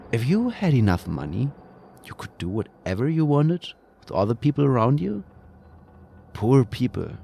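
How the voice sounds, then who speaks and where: A man reads a horror story aloud in a slow, brooding manner, sometimes sinking into a whisper. His voice sits fairly low with a gravelly texture, and his pacing is very unhurried. Faint music plays beneath him. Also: darkish tone, slight background noise. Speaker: narrator. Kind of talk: dramatic scripted horror narration.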